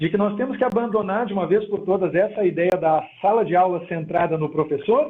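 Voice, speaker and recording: A man speaks at a moderate pace in a high pitch. His pitch varies in an ordinary way. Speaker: teacher and educator. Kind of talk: interview in a live stream. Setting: live online video stream. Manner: animated.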